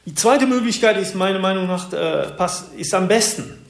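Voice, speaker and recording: A man preaching a Bible-teaching sermon, explaining verses slowly and deliberately with occasional hesitations. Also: high-pitched, vocal fry, echoey room, a little hiss or hum. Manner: slow, deliberate expository delivery with some hesitations.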